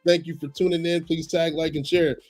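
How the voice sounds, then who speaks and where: A man hosting a live-streamed podcast, hoarse from a cold, talking in a chatty way that repeats itself, with coughs and apologies. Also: a little high, little pitch movement, a little fast, a little mellow, soft background music. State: hoarse, getting over a cold. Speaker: podcast host.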